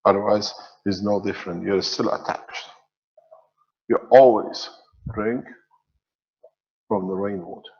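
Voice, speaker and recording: A low-pitched man gives a slow, measured spiritual lesson, and his phrases tend to fade at the ends. The sound is dull and lo-fi, with a long reverb tail like a big hall. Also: steady tone, darkish tone. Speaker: teacher. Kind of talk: spiritual teaching lecture.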